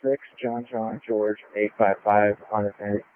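Flat, low police officer over tinny radio. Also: male voice, normal speed. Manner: flat, terse radio reports. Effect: police radio transmission. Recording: tinny narrow radio audio.

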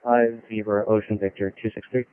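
Male patrol officer heard through a police radio, low monotone, phone-thin sound. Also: brisk, clean tone, dry recording. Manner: terse, code-like phrasing. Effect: police radio transmission. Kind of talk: clipped police radio traffic. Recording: narrow phone-like radio band.

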